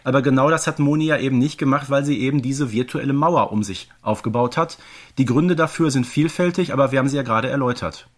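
A man's voice: mid-range voice, fast talker. A man co-hosting a podcast in a conversational, analytical way, emphatic and fond of rhetorical questions. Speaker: podcast co-host.

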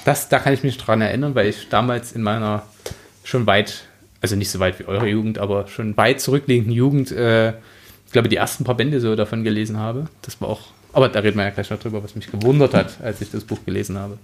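A man's voice: lowish voice, fast. A man chatting casually as a podcast co-host, chipping in with joking remarks. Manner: joking interjections. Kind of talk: casual chat.

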